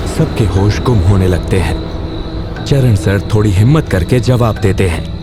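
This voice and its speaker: A man's voice: lowish voice, lively intonation, measured pace, over loud music. A man reading a scripted spooky bedtime story as its narrator.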